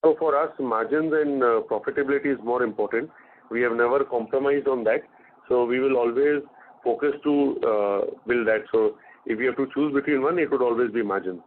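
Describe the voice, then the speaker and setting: Male company executive, Indian accent, mid-range voice, measured and halting answers over a narrowband call. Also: mid-range voice, a little hiss or hum. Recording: narrowband phone conference line.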